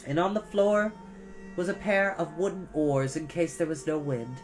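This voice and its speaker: A low-pitched woman reads a storybook aloud as host of a storytime. Her delivery is expressive, leaning carefully on key words. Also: normal speed, soft background music.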